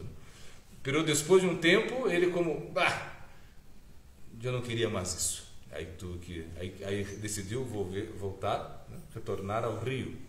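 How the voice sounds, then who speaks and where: Halting, low-voiced man preaching in an echoey room. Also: slight background noise. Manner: mixes Spanish words into Portuguese, halting with many fillers. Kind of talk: sermon storytelling.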